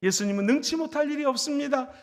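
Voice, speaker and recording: A man preaching a Sunday sermon in a church sanctuary, his voice sitting very high for a man. He builds to dramatic rises and calls on the congregation to repeat after him. Long hall reverb trails every phrase. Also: fast. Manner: preaching with dramatic rises and call-and-response prompts. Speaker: pastor.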